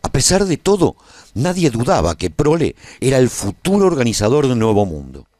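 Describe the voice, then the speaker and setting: A man's voice: medium pitch, darkish tone, no echo, clean studio sound. A man playing a war survivor, solemnly narrating a heroic epic for a radio serial with emphatic delivery. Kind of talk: scripted dramatic narration.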